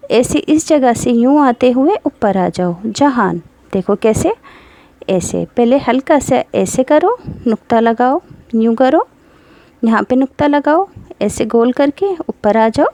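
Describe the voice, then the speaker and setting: A woman teacher, slow and patient, spelling out letters one by one for children in a writing lesson. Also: fairly high pitch, mellow, dry recording. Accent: Hindi-speaking North Indian.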